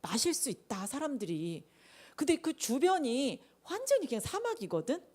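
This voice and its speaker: Woman children's preacher, animated storytelling, very expressive pitch, asks kids questions. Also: normal speed. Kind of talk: sermon to children.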